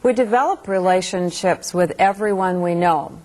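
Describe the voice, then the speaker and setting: A woman instructor delivering an instructional lecture in a measured, explanatory way. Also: on the low side, a little mellow.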